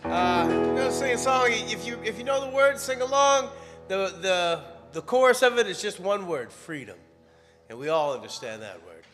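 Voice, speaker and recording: A man, a guest musician, making casual remarks before a song. He speaks haltingly, with restarts. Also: high-pitched, animated, in a large hall, loud music behind the voice.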